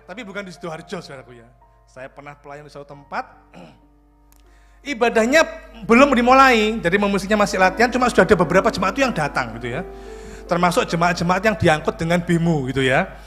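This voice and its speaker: A male pastor, preaching a lively sermon full of jokes and questions to the congregation. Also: sits high. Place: church.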